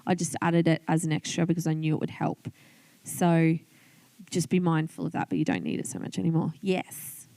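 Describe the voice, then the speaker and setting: A woman's voice: low voice, level tone, a little fast, creaky, mellow, no room sound. A woman with an Australian accent gives an informal tutorial, chatting and thinking aloud as she explains things step by step. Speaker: online business coach teaching video tips. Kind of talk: informal tutorial, talking through a screen demonstration.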